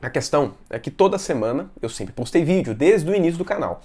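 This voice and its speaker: A Brazilian man hosting a science channel talks casually and haltingly, sick with a sore throat and fever, often adding tag questions. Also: fairly high pitch, expressive, a little mellow, slightly rough. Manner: repeatedly adds "né" tags, halting. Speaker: science video host. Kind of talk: casual talk to camera.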